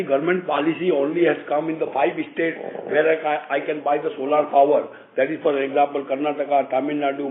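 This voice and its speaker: A man with an Indian accent and a fairly high voice speaks over a thin, noisy phone line. He is a company executive giving earnings call answers, and he explains haltingly, often repeating words as he goes. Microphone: telephone conference call. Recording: tinny phone line with clear noise.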